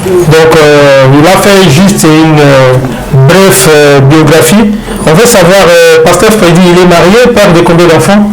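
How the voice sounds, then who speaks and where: A man's voice: a little high, measured pace, rough recording. A man hosting a church TV interview, asking questions informally with hesitations. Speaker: interview host.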